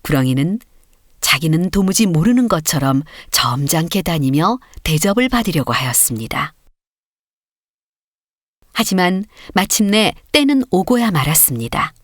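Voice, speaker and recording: A woman reading a storybook as an audiobook narrator, with expressive, clearly paced scripted delivery. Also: lowish voice, no room sound, studio quality.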